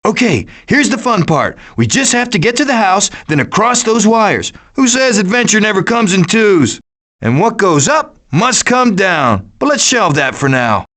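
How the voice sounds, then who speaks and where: Voicing a sarcastic, cocky raccoon in charge of a foraging animal gang, a man delivers glib wisecracks in animated video-game style. The exaggerated voice sits high and moves at normal speed.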